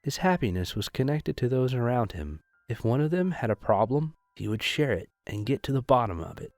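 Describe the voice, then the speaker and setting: A man's voice: mid-range voice, expressive, a little fast, darkish tone, no echo. A man reading scripted narration for an audio drama. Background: music.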